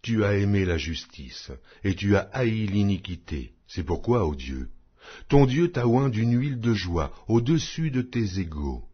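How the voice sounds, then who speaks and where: Low, husky man reading scripture expressively. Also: big pitch swings, a little slow. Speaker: audiobook narrator reading scripture. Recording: dull lo-fi audio.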